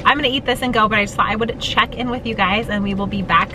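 A woman's voice: mid-range voice, fairly even intonation, quick pace. Chatty woman vlogging from a car. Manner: chatty and upbeat, lots of fillers. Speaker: family vlogger. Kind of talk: casual road trip vlog. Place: inside a moving car. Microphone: handheld camera at arm's length. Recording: loud car noise. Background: road and engine noise.

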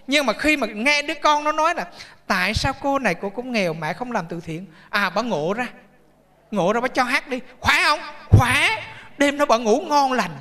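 A man tells stories in a sermon, in a bright, forceful voice. He jokes and keeps asking his listeners questions. His voice rings with a long reverb through a large temple hall. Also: very high voice. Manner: chatty, joking, asks the audience questions. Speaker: Buddhist monk giving a dharma talk. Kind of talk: storytelling sermon.

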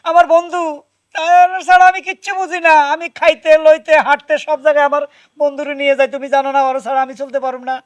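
An actor playing a simple-minded village husband who wails loudly over his dead friend. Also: very high-pitched, little pitch movement, quick pace, no echo. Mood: pleading. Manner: loud lamenting wails. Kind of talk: village comedy drama acting.

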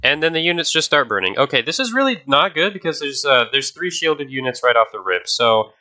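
Fairly high-pitched and sing-song, this young man speaks a little fast in a pushed, bright voice. Sick and stuffed up, he hosts a gaming video with casual commentary, chatting to viewers and losing focus easily.

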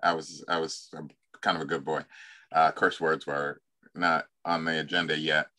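Older man, deep voice with a bright edge, frank and casual, video call from home. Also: level tone, moderate pace. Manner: frank, drops casual curse words. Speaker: storyteller and host. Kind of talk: casual storytelling chat. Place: home room.

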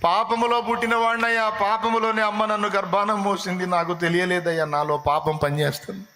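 A male preacher voicing a grief-stricken repentant king who begs God for forgiveness in high, wailing cries. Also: expressive, moderate pace, creaky, sharp tone, slight background noise, heavily acted. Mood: anguished pleading.

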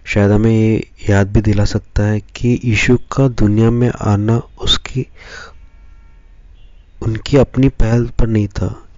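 A man reading Scripture and preaching as a pastor, slow and measured in short phrases. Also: on the low side, little pitch movement, warm tone, no echo, muffled recording. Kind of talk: devotional Bible reading and sermon.

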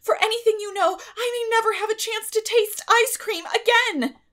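Theatrical little girl for an audiobook, high breathy voice, super dramatic and wordy. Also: normal speed, fairly bright tone. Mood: desperate pleading. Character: dramatic, imaginative young girl, pleading and theatrical.

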